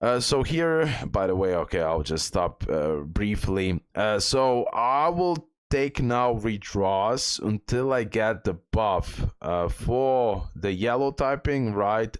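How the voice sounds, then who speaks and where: A man's voice: on the low side, lively intonation, unhurried, few pauses, clean tone, no room sound. A man giving casual gameplay commentary as the host of a game guide, repeating himself and checking in with the listener.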